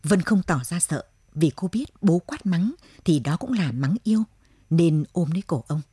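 A woman narrating a radio short story in a steady storytelling manner. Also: fairly low pitch, normal speed, husky, no echo, studio quality.

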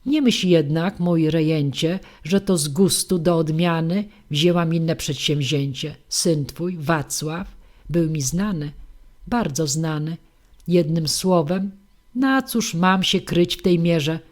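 A woman with a fairly low voice reads classic verse aloud at a slow, unhurried pace. Her delivery stays measured and even from line to line. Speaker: audiobook reader. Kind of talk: reading a verse comedy aloud.

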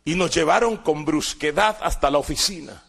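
Slightly high and a bit bright, this husky man's voice carries vocal fry and moves at normal speed. In his sixties and speaking Guatemalan Spanish, the former guerrilla dramatizes his testimony by voicing the people he once knew.

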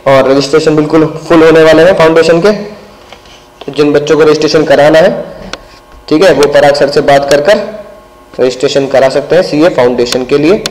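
A male commerce teacher giving an animated lecture, filling his talk with tag words and acting out little scenes for his students. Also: on the high side, a little fast, slight background noise. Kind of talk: classroom lecture. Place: teaching room. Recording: echoey room.

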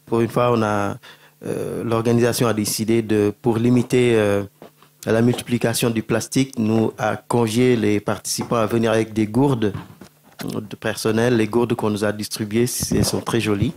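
A man moderating a panel through a handheld mic, halting and stammering as he frames his questions. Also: on the low side, flat delivery, a little mellow, slight background noise. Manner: halting, stammering restarts, frequent backchannel. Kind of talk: panel discussion. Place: indoor stage at a public panel.

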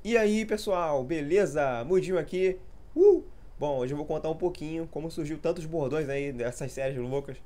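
A man's voice: fairly high pitch, moderate pace, hardly any pauses, mellow. A man in his thirties chatting casually in a vlog, rambling and losing his train of thought, poking fun at himself. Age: 30s. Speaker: gaming youtuber.

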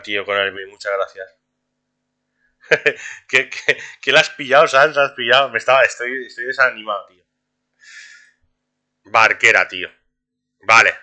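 A young man commentates on his game live as a streamer, his voice very bright and cutting at a middling pitch. He grumbles about his luck, swears freely and says the same thing again and again, capping most phrases with "tío". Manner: frustrated, complaining, swears a lot; repeats phrases, ends lines with "tío".

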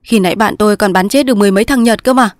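A woman voicing a young male resistance soldier, pleading in loud sobbing outbursts in a storybook reading. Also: medium pitch, very fast, dry recording, natural voice. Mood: grieving.

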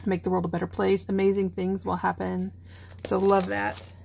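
A woman's voice: mid-range voice, completely flat delivery, moderate pace, creaky, a little mellow, a little hiss or hum. A middle-aged woman, tired and chatty, gushing over craft supplies in a casual vlog. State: tired, yawning. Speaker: craft channel host. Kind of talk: casual show-and-tell vlog.

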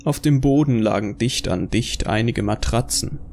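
A man narrates an audio drama from a script. His medium-pitched voice is gravelly with fry, and faint noise sits behind it. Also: normal speed, darkish tone.

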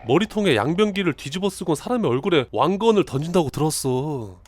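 A shady, easygoing male buddy from a horror game, as a streamer reads him out. He sounds casual and a bit pleading, with a slightly high and lively voice. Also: fast talker. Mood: urgent.

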